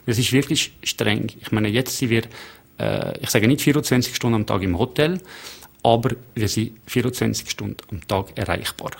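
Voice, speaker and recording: A middle-aged man whose first language is French, speaking as a hotelier guest in a radio studio and telling stories with lively emphasis. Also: mid-range voice, gravelly. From Geneva, Switzerland. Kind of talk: radio interview.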